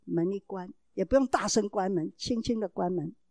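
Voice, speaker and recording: A woman giving a Christian parenting talk to an audience, telling a story about her child with animated storytelling and acted-out dialogue. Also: mid-range voice, moderate pace, no echo. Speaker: mother giving parenting advice.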